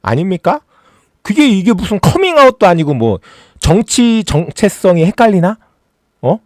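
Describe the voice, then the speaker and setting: A man hosts a political livestream in a sarcastic, mocking tone that builds into exasperated rants. His pitch swings widely as he talks, and the sound is dry and close with no room in it. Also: very animated, moderate pace, no room sound. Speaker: political YouTube host. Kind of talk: casual political commentary livestream.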